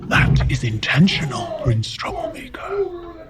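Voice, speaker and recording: An actor playing a mysterious, haughty rescuer in audio drama, speaking in a hushed, commanding way. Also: male voice, sits high, wildly swooping pitch, measured pace, music in the background, exaggerated voice. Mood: urgent, dry. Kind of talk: dramatic audio fiction acting.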